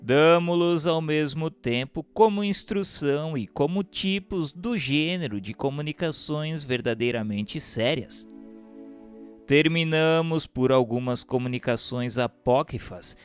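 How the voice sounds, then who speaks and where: A man's voice: fairly high pitch, animated, measured pace, soft background music. A man giving a solemn, formal reading of a spiritist text aloud, with occasional stumbles over the words. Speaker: reader.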